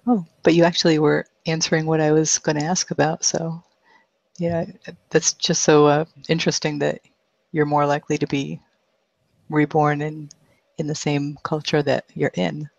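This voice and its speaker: A man's voice: a little high, level tone, normal speed, creaky, no room sound, lo-fi sound. A man in a casual conversation, asking questions in a tentative, hesitant way.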